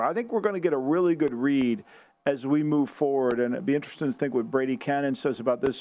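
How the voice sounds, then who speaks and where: A man's voice: mid-range voice, darkish tone. A man with a Boston accent hosting casual sports radio chat, often repeating words as he searches for them. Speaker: show host.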